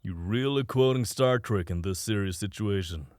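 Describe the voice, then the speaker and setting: A man playing a gruff, distrustful forty-year-old werewolf in an audio drama, with a blunt, indignant manner. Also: on the low side, normal speed, a little mellow, dry recording, close to an everyday voice. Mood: suspicious.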